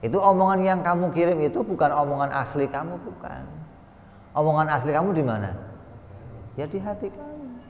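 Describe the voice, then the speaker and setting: A man giving a slow, explanatory religious study lecture, now and then voicing sound effects for his examples. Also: fairly high pitch, a little hiss or hum. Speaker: religious teacher. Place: pesantren study hall. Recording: echoey hall with long reverb.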